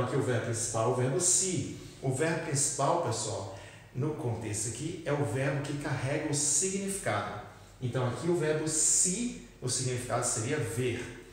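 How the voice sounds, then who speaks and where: A man's voice: on the high side, heavy reverb, in a large hall, recorded from a distance, a little hiss or hum, poor audio. A male English teacher from Brazil explaining grammar patiently and often checking in with his students. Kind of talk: recorded classroom lesson.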